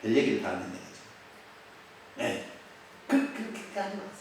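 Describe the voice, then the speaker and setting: A man, a pastor, preaching an expository sermon with animated delivery, asking the congregation questions and acting out quotes. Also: mid-range voice, a little fast, slight background noise. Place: church sanctuary. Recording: echoey church hall, mic at a distance.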